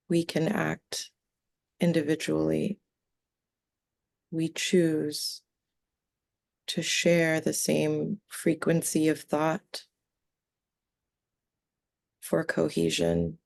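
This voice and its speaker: A woman in a seance trance voices a calm alien collective, low and gravelly. The phrases are short, formal and solemn, delivered very slowly with long breaks, as a channeling medium does. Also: full character voice. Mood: solemn, detached. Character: collective of six calm extraterrestrial beings channeled through a medium.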